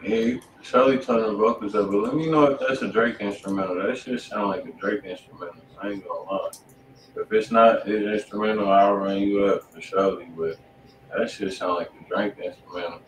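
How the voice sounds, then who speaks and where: Brief: lowish male stream co-host, blunt slangy reviewer, sounds distant in an echoey room, faint hum behind. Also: steady tone, brisk. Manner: blunt, slangy critique with loose asides. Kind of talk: casual live stream chat. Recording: roomy sound, mic at a distance.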